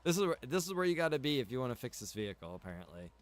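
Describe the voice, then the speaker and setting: A man's voice: mid-range voice, big pitch swings, very fast, a little hiss or hum. A man giving casual, rambling livestream commentary while gaming, repeating phrases for emphasis. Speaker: game streamer and roleplay server co-owner.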